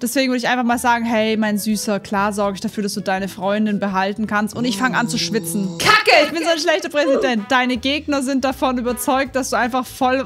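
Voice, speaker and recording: Lively intonation marks a woman's high-pitched voice over light background noise. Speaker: streamer. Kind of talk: casual gameplay commentary. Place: home room. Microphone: studio mic.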